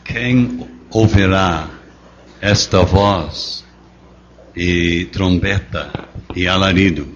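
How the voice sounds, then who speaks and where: A man with a Brazilian Portuguese accent asking questions slowly in a group Bible study. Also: deep voice, muffled recording, slight background noise.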